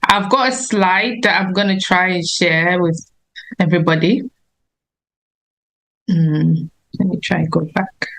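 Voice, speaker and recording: A woman's voice: on the low side, fairly even intonation, a little slow, pauses often, a bit bright, poor audio. A woman nurse practitioner giving an informal health talk on a video call, earnest and explanatory, often restarting her sentences. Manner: earnest, explanatory, self-correcting.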